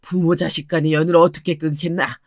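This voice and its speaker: Woman putting on a gruff stern father, lowered voice, commanding, dry sound. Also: little pitch movement, fairly quick, a little mellow, no room sound. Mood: stern threatening.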